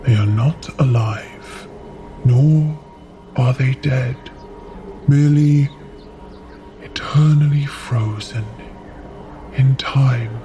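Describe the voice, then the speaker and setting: An actor playing a solemn, guarded frost giant guide who speaks cryptically and with measured gravity in a fantasy audio drama. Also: male voice, medium pitch, dark tone, faint music behind.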